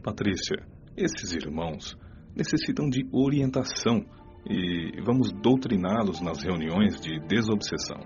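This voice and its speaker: A man playing a calm, wise spirit mentor in a radio drama, speaking in a composed, instructive way. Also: lowish voice, measured pace. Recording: dull lo-fi audio with clear music.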